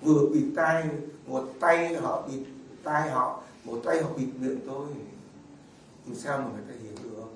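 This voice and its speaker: A man's voice: mid-range voice, steady tone, moderate pace, slight background noise. A male Catholic priest giving a sermon, often putting rhetorical questions to his congregation. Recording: very echoey, far from the mic, faint ambience.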